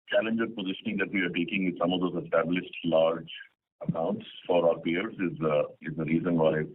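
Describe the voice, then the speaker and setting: Male executive, very low and husky, explanatory corporate delivery on a narrow phone line. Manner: business jargon, explanatory. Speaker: company executive. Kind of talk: earnings call answers. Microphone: telephone.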